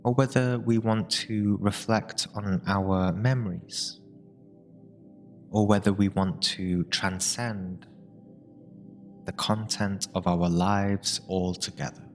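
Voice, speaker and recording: A man with a fairly low voice leads a guided meditation. He speaks very slowly and soothingly, breaking his sentences into short phrases with long pauses. Music plays behind him. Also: steady tone. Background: meditation music with binaural tones.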